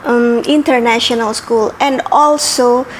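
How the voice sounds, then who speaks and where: High-voiced Indonesian woman chatting. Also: fairly even intonation, a little slow, slight background noise, poor audio. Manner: explanatory, lists examples, frequent yeahs. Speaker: vlogger and parent. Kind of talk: casual chat.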